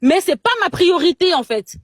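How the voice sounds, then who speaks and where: A woman's voice: very high voice, lively intonation, moderate pace, dry recording, studio quality. A young Congolese woman in a heated casual chat, speaking French with a Congolese accent, emphatic and indignant, stumbling over repeated words. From Democratic Republic of the Congo. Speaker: guest on a live chat.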